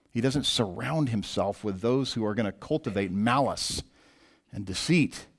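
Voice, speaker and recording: A man with an American accent and a normal speaking voice, medium in pitch with ordinary pitch variation, on a very clean recording with a silent background. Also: moderate pace. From US Midwest (Southwest Missouri). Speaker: pastor. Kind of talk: sermon.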